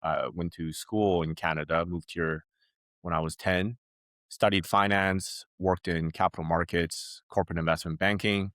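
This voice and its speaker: A man from China, a guest, speaking in a relaxed, candid interview manner with many "like"s. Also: deep voice, normal speed, no echo, clean studio sound. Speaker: guest, company founder. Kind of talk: casual interview talk.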